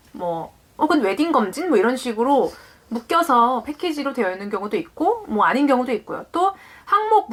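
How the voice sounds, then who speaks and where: A woman's voice: sits high, fairly bright tone. A woman in her late twenties, a vlogger, talking viewers through a topic step by step in a friendly way and answering her own questions. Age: late 20s. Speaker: parenting vlogger. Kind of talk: explanatory vlog talk to viewers.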